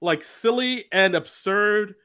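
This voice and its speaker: A man talks animatedly about comedy sketches with a podcast co-host. His voice sits a little high and sounds bright and forward. He laughs easily and trips over his words as he gets excited. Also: slow pace, clean tone. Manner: enthusiastic, laughing, frequent restarts. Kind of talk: casual comedy discussion.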